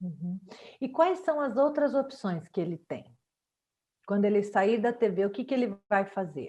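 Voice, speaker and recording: A woman with a dark, mellow tone and a medium pitch speaks at a moderate pace, swinging her pitch very widely and leaving long, frequent pauses. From Rio Grande do Sul, southern Brazil. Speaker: parenting educator and podcast host. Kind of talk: advice podcast conversation. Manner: animated.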